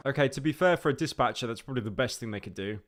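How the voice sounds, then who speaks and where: A man's voice: medium pitch, lively intonation, racing, slight background noise. Chatty male streamer reacting live. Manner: chatty, rambling, talks straight to chat. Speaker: livestreamer. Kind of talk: casual livestream reaction commentary.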